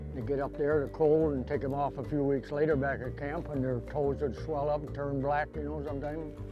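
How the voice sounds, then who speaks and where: With music in the background and audible room echo, a man with an Upper Midwest accent talks at a fairly quick pace with hardly any pauses. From Minnesota. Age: 80s+. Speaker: war veteran. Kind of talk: interview storytelling. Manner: halting.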